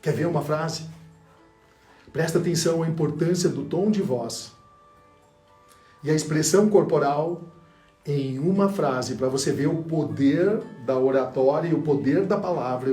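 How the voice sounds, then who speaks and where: Man teaching public speaking, dark voice. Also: on the high side, reverberant, far from the mic, faint music behind. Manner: demonstrative, shifts loudness and pauses for effect. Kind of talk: speech course lesson.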